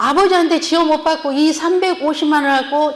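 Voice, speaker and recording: Amid audible room echo, a woman speaks at a moderate pace with ordinary pitch variation. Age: 60s. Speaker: preacher. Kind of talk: sermon testimony. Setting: church.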